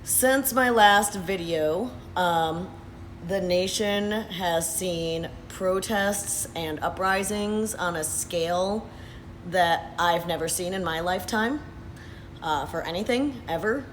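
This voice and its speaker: A hoarse man in his thirties talks earnestly in a casual vlog, pausing often with "uh" and "um". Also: high-pitched, a bit bright, slight background noise. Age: 30s. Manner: earnest, unhurried, with frequent "uh" and "um". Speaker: vlogger. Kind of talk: casual talking-head update. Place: sitting at his workplace after hours.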